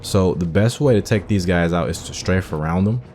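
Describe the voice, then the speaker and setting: A young man with a very low voice talks through gameplay in a relaxed, explanatory way, dropping fillers as he goes. Faint game music sits underneath. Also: normal speed. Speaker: gaming channel host. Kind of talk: casual gameplay commentary.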